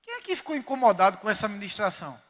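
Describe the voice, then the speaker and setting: A man's voice: high voice, sing-song, rapid-fire, fairly bright tone. A man with a Northeastern Brazilian accent, a pastor preaching a sermon and telling stories with emphasis. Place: church sanctuary. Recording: reverberant church hall.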